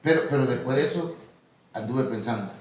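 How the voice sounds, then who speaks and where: A man's voice: medium pitch, lively intonation, a little fast. A man with a Mexican Spanish accent, a pastor preaching a sermon in a conversational, storytelling way, calling his listeners brother. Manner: conversational, tells anecdotes, addresses listeners as hermano. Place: church hall. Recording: echoey hall from far off, faint noise.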